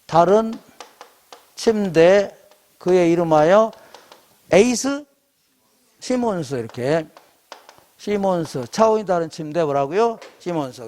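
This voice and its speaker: A man's voice: sits high, a little mellow. A middle-aged male professor giving an exam-prep lecture. He keeps asking questions and answering them himself, and he uses jokey memory tricks. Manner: call-and-response quizzing, asks and answers himself; jokey memory tricks, mimics a regional drawl.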